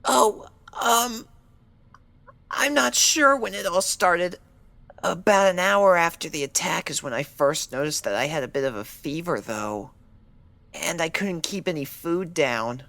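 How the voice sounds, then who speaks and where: A woman voicing a timid, traumatized female cartoon pony in a fan fiction audio drama, speaking in a halting, tearful way. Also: lowish voice, lively intonation, vocal fry, a bit bright, no echo, heavily acted. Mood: weary, uneasy. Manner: halting, hesitant, tearful delivery.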